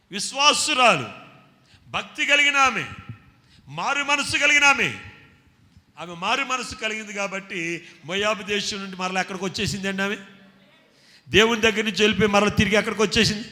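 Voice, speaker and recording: A man preaching a sermon, constantly quizzing his congregation and urging them to answer loudly. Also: high-pitched. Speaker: pastor. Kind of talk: Telugu sermon with call-and-response questions. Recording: long reverb from a hall.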